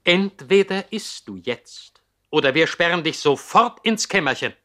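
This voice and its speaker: A strict aristocratic father in a vintage radio drama. His voice sits fairly high, swings widely in pitch and has a hard, forceful edge. He speaks in clipped, imperious commands. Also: animated, unhurried. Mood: stern anger. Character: stern, commanding aristocratic father, an adult baron. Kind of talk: 1960s German radio play acting.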